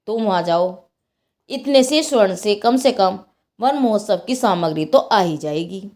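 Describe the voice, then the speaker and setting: A woman's voice: mid-range voice, lively intonation, measured pace, darkish tone, close to an everyday voice. A woman voicing a practical, persuasive maidservant in a told story, coaxing and matter-of-fact. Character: practical, persuasive young maidservant giving advice.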